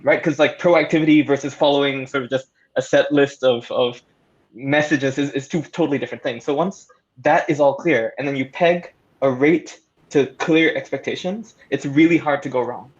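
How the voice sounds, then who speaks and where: A man's voice: medium pitch, normal speed. A man talking casually as a panelist in a conversational, thinking-aloud way, on slightly dull call audio. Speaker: panelist, audio drama maker.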